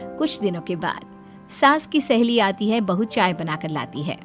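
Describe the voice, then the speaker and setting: A woman narrating a cartoon family story in a steady storytelling manner. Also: medium pitch, moderate pace, soft background music.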